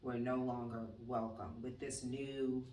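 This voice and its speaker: A woman interviewer asking measured questions and giving brief prompting replies. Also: very deep voice, level tone, warm tone. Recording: distant mic, roomy, faint background noise.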